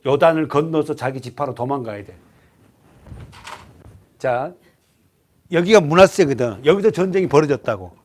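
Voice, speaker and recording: Lively male pastor quizzing his congregation. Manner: drops to a hushed low voice for grim points. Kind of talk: expository sermon. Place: church sanctuary.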